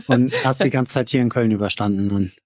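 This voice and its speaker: A man's voice: mid-range voice, fairly even intonation, fairly quick, dry recording, clean studio sound. A man hosting a podcast interview, asking questions and encouraging the guest with short murmurs of agreement. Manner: supportive listener with many short backchannels. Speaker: podcast host. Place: Cologne.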